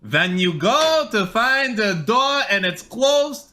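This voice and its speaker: A man voicing an old Jewish grandfather with a mock Russian-sounding accent, reciting advice slowly and with exaggeration. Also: extremely high pitch, very animated, a crowd in the background, pitched above the performer's own voice, heavily acted. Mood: folksy, solemn.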